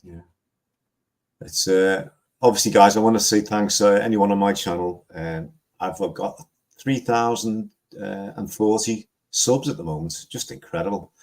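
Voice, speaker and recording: A man in his sixties with a Liverpool accent, chatting on a livestream in a slow, rambling way. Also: on the low side. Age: 60s. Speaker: guest. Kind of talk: casual livestream chat.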